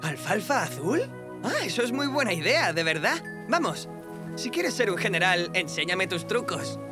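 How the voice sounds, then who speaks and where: A woman voicing a plucky, confident young goatherd boy in an animated series, brisk and a little cocky. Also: medium pitch, natural voice. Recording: loud music behind the voice.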